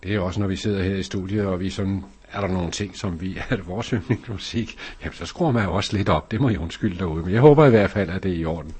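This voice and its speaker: A man's voice: sits low, hardly any pauses, a little mellow, husky. A man hosting a local radio show from the studio, chatting casually and rambling with many fillers.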